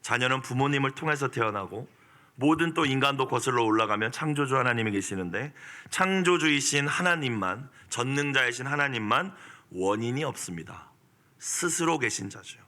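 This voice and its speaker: A male pastor giving an early-morning sermon, moving between soft, quiet asides and pleading, forceful outbursts. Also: medium pitch, animated, moderate pace.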